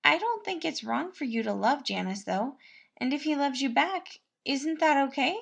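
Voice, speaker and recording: A woman voicing a kindly, eager young male palace cook in a fan-fiction audiobook, gentle, bubbly and a little hesitant. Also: sits high, lively intonation, moderate pace, vocal fry, voice pushed up, heavily acted. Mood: earnest reassurance.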